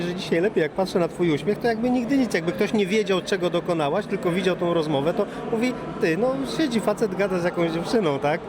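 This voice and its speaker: A man's voice: on the high side, background noise. A man conducting a casual live interview as the interviewer.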